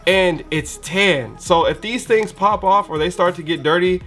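A man's voice: high voice, measured pace, a bit bright. Young man, nasal from a cold, casual sneaker review, enthusiastic slangy talk, faint music behind. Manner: laid-back, slangy, enthusiastic. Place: indoor studio with shoe shelves.

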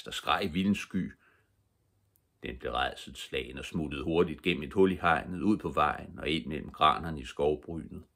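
An older man with a deep, low voice reads a children's book aloud at bedtime. His narration is calm and measured, an unhurried read-aloud. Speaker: audiobook reader.

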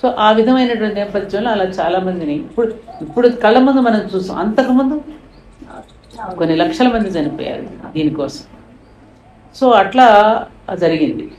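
A woman's voice: mid-range voice, animated, normal speed, long pauses, a little mellow, echoey room, slight background noise, low-quality recording. An older woman from India, telling a story in an interview with a passionate, emphatic manner. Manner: impassioned, rising to emphatic peaks. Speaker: guest speaker.

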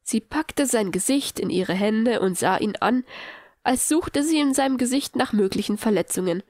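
A woman narrates a fan fiction audiobook with lively storytelling. Her voice sits a little high. The recording is dry and close. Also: normal speed, dry recording. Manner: lively storytelling, reads all parts. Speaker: audiobook reader.

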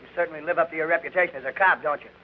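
A brash young American pageboy played by a man, cocky and slangy, in old Hollywood film style. His voice is high for a man, heard through a narrow, muffled vintage soundtrack. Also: very fast, slight background noise, close to an everyday voice. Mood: indignant. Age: young adult. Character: cocky young radio studio pageboy, quick to argue. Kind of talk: 1940s Hollywood film acting.

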